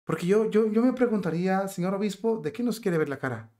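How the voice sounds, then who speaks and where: A man's voice: sits high, lively intonation, fairly quick, warm tone. A man giving indignant religious commentary, reading out a news report and then arguing his case with pointed rhetorical questions. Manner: outraged, emphatic.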